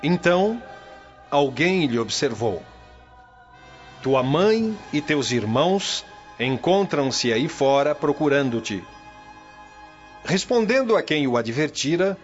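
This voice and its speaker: A solemn early Christian preacher in a radio drama, with a Brazilian accent. He declaims slowly in a fairly high male voice. The sound is slightly dull, with soft music underneath. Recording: dull lo-fi audio with music behind.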